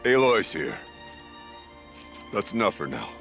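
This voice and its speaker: A man playing a gruff, grave tribal warrior chieftain in a video game, with a gravelly voice and weighty delivery. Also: on the low side, sing-song, a bit bright, full character voice. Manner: slow, weighty. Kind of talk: scripted video game dialogue. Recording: music behind the voice.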